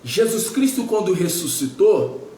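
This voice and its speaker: A man's voice: high voice, big pitch swings, a little slow, mellow, echoey room, slight background noise, rough recording. A man in his forties preaching a sermon as pastor, emphatic and repetitive, firing off rhetorical questions. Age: 40s.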